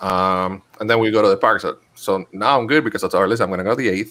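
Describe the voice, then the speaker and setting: A very fast, fairly low male voice in a Spanish accent, bright and sharp in tone, with ordinary pitch variation and a very clean recording over a silent background. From Puerto Rico. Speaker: Disney YouTuber. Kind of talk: casual chat.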